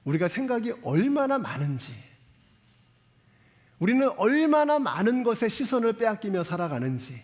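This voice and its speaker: A man's voice: high-pitched, big pitch swings, moderate pace. A male pastor preaching a sermon, talking straight to his congregation with frequent questions and earnest appeals. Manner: earnest, exhorting. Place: church sanctuary. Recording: long church reverb.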